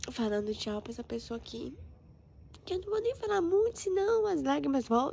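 Her pitch is high, with very wide swings. The woman speaks at a moderate pace. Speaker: vlogger. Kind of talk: casual vlog chat.

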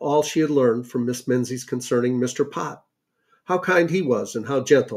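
A quiet background sits behind the speech. What comes through is a natural reading voice.

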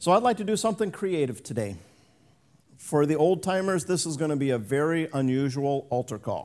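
Shouting, a man with a fairly high pitch talks at a fairly quick pace. His pitch swings very widely. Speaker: preacher. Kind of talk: sermon. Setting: church. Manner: earnest, urging the congregation to shout, clap and come forward; warm, rising to a rallying, celebratory call at the close. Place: church. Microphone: lapel.

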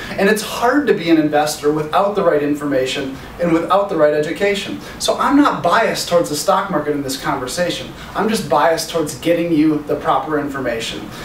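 Amid light background noise and audible room echo, a man talks at a fairly quick pace with hardly any pauses and ordinary pitch variation. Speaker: financial advisor. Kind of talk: educational talk to camera. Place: office.

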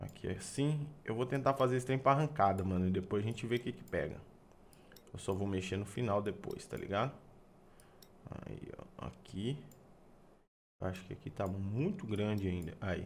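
Lively intonation marks a man's fairly low pitch at a moderate pace, with long, frequent pauses. Light background noise is present. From Brazil. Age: 30s. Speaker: gaming YouTuber. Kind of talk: gameplay commentary. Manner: animated. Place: home room. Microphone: studio mic.

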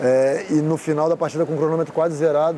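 Under light background noise, a man with a fairly high pitch speaks at a fairly quick pace. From Niterói, Rio de Janeiro, Brazil; Rio de Janeiro, Brazil. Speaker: handball player. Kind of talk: interview testimony. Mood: reflective, calm. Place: open country. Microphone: lapel.

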